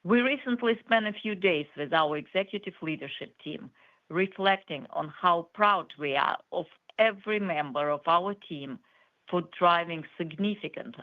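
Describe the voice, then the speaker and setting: A woman company executive reading a scripted corporate earnings presentation in a measured, formal way. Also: lowish voice. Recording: muffled, band-limited conference call audio.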